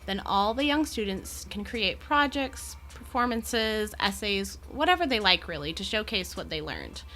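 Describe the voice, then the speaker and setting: A woman's voice: mid-range voice, expressive, measured pace, sharp tone, soft background music. A woman playing an amiable, poised Gorgon educator in an audio drama, with articulate, genteel and reassuring phrasing. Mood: earnest, passionate.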